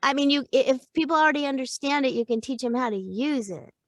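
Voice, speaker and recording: A middle-aged woman voice actor, a guest on a podcast, chatting casually in a playful, expressive way, laughing often and restarting her thoughts as she goes. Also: high voice, fast talker, no echo, studio quality. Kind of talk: casual interview chat.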